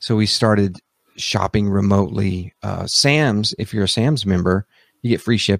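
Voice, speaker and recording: On a very clean recording with a silent background and a dry, close sound with no echo, a man with an unremarkable speaking voice talks at a moderate pace, with fairly low pitch and ordinary pitch variation. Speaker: podcaster guest. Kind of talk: casual chat.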